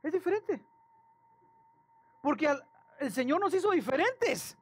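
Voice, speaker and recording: A male pastor, preaching a sermon in a lively storytelling way and asking the congregation questions. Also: very high-pitched, measured pace, no room sound. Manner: animated storytelling with acted quotes and questions to the congregation.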